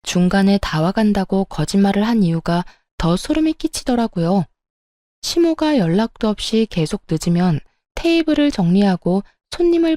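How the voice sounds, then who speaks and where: A woman narrating a first-person story in a steady, aggrieved tone. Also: medium pitch, no room sound, clean studio sound.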